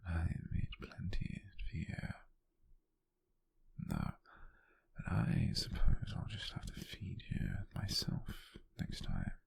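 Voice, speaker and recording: A British man playing a gentle, doting, softly teasing lover in an intimate, breathy, gravelly ASMR whisper, speaking slowly and soothingly. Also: low-pitched, wildly swooping pitch, exaggerated voice. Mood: content, affectionate. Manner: slow, soothing, with soft pauses.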